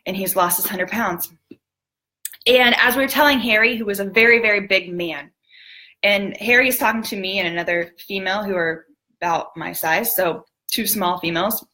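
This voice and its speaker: A woman giving a motivational talk, telling a story in an animated way and speaking earnestly to the audience. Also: medium pitch, moderate pace, low-quality recording. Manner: animated storyteller who acts out quotes; earnest, direct appeals to the audience.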